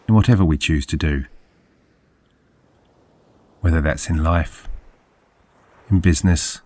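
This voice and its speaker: A man narrating a scripted guided sleep meditation as a hypnosis guide, soothing and measured, with deliberate phrasing. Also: low voice, a little mellow.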